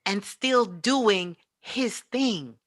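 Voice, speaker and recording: A woman with a bright, forceful voice speaks as a spiritual teacher. Her delivery is motivational and emphatic, preaching her points and driving them home with repetition. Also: mid-range voice, drawn-out words. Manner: emphatic, preaching, with repeated phrases.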